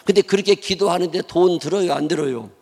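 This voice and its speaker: A middle-aged pastor from Chungcheong, South Korea, preaches a sermon in a church sanctuary with a Chungcheong Korean accent, telling stories in a blunt, humorous, folksy style. His high voice moves quickly, sounds a little mellow, and echoes as in a large hall.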